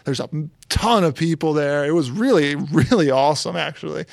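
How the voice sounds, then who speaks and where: Relaxed man in rambling car talk. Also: on the high side, moderate pace, gravelly, dry recording, studio quality. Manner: relaxed, rambling, with fillers and restarts. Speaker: car show co-host.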